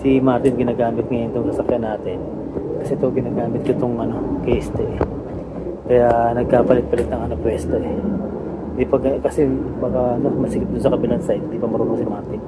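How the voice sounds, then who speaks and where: A man from the Philippines casually narrating his vlog outdoors beside the family car, relaxed and chatty as he shows things to the camera. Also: medium pitch, quick pace. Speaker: vlogger. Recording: loud outdoor noise.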